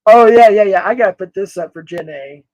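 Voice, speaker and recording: High-voiced man in his forties, dry. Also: a little mellow, no echo. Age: 40s. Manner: rambling, laughs often, talks to chat by name. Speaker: livestream host. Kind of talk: casual livestream chat reading comments.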